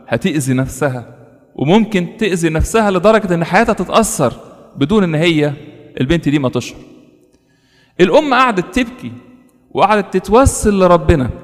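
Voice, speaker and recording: A high-voiced man with an Egyptian Arabic accent preaches at a quick clip. He tells stories and keeps asking his listeners rhetorical questions. His voice echoes with the long reverb of a hall. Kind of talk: sermon.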